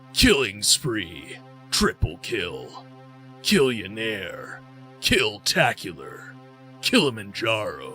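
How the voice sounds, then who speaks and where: A man's put-on character voice in a dramatic tone, medium in pitch, at a very slow pace with long, frequent pauses and clear music in the background. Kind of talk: announcer. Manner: booming, dramatic.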